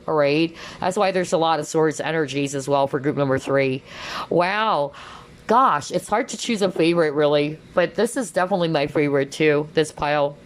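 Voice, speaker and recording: A woman giving a tarot reading in a chatty, reassuring way, saying she is losing her voice. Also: lowish voice. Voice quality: strained, tiring voice. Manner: chatty, reassuring, full of fillers and "okay?" check-ins. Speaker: tarot reader.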